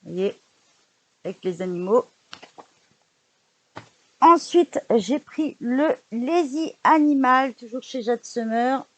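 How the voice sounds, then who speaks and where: A woman's voice: high-pitched, expressive, takes it slowly, long pauses, a bit bright. A woman vlogger in casual chat, showing books she bought, hesitant with frequent fillers and restarts, recorded indoors at home. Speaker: vlogger showing a book haul.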